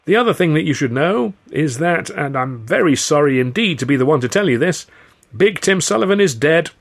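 A man's voice: on the high side, lively intonation, normal speed, pitched above the performer's own voice. A man voicing a frightened music-hall comedian in an audiobook, flustered, wordy and eager to please. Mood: earnest, placating. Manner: gulping, flustered, placating, wordy. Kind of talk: audiobook character dialogue.

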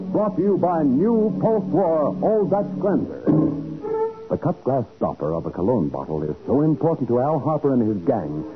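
Male announcer, 1940s radio, scripted narration, emphatic, very animated, tinny, clear music underneath. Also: a little high. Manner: emphatic, dramatic.

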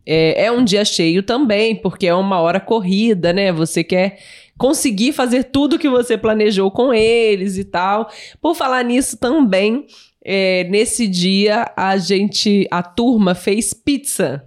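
A woman co-hosts a casual podcast in Brazilian Portuguese accent. Her voice sits at an average female pitch. She talks in an informal, conversational way with a giggly streak. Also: unhurried, a little mellow. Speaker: podcast co-host, schoolteacher.

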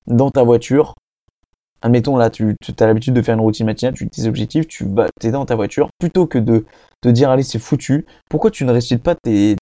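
A man's voice: mid-range voice, warm tone, dry recording. A young man hosting a casual self-help monologue, talking in a rambling, slangy way with many restarts. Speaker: podcast host.

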